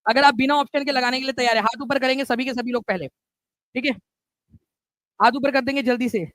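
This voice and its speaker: High pitched guy teaching an online exam class, chatty, keeps repeating stuff, dry close mic. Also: steady tone, a little fast, a bit bright, dry recording. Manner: chatty, repeats key points with frequent "theek hai" and "friends".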